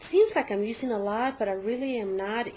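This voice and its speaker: A woman with a fairly high pitch and ordinary pitch variation speaks over light background noise. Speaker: scrapbook crafter. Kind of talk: craft tutorial talk to camera. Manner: casual, chatty. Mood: excited, friendly.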